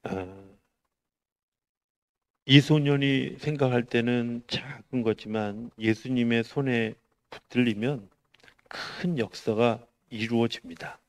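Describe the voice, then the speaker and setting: Middle-aged korean pastor preaching, chatty, asks the crowd stuff, goes loud then real quiet, normal mid pitch. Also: male voice. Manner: conversational preaching with rhetorical questions, swings from loud to hushed. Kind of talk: sermon.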